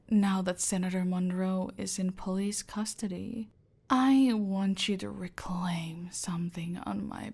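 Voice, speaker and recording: A woman voicing a cold, controlling female cartel boss in an ASMR roleplay, giving slow, deliberate orders, often in a whisper. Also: medium pitch, creaky, warm tone. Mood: silky, menacing.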